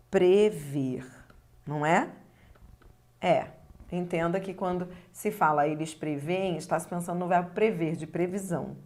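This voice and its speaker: A woman with a lowish, somewhat dark voice delivers a grammar lesson on video. Her explanations go step by step. She confirms the viewer is keeping up by using tag questions.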